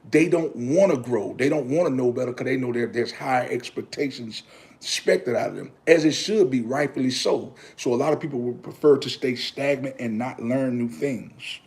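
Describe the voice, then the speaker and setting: A man's voice: mid-range voice, moderate pace, darkish tone, breathy edge. A man in his thirties chatting on a livestream, preaching about faith and talking straight to viewers, repeating himself and calling them brother. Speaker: livestream host. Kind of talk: casual livestream chat.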